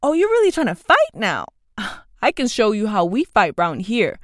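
A woman's voice: a little high, expressive, moderate pace, darkish tone, clear, resonant tone, dry recording, studio quality, lightly acted. A woman voicing a mocking schoolboy bully who taunts another boy. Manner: taunting, sneering.

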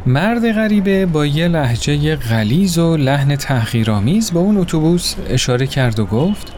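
A man narrating a story in an expressive, acted-out way. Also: on the high side, slight background noise. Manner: expressive, voices characters.

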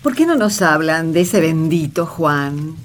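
An actress playing a curious, questioning peasant wife in a radio play, with an Argentine accent. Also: female voice, deep voice, animated, a little slow, a little hiss or hum. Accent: Argentine Spanish.

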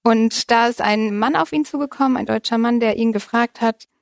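A woman in her early thirties speaks as an interview guest, telling a personal story with frequent laughter. Her voice sits fairly high. The recording is dry and close. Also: normal speed, vocal fry, no echo.

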